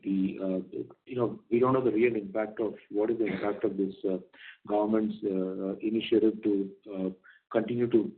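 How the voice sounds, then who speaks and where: Halting low-voiced Indian executive on call line. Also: male voice. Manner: halting, stammering over repeated words. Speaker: company executive answering analysts. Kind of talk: unscripted earnings call answers. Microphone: phone or conference call line. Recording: narrow, tinny conference call line.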